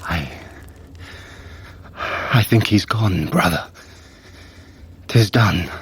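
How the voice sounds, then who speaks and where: An actor playing a sly trickster god with arch, dryly witty, theatrical delivery in an audio adventure. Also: male voice, lowish voice, drawn-out words, slightly rough, exaggerated voice. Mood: quiet relief. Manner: arch, theatrical, dry wit. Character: wry, sly male trickster god, Thor's brother. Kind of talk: dramatic audio adventure acting. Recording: loud music and effects bed. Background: loud music.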